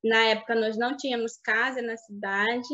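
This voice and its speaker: A woman's voice: a little high, fairly even intonation. Woman speaking Portuguese as a second language. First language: Baniwa. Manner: reflective, halting with restarts and soft fillers. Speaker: interviewee. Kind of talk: life story interview. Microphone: webcam on video call. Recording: dull lo-fi video call audio.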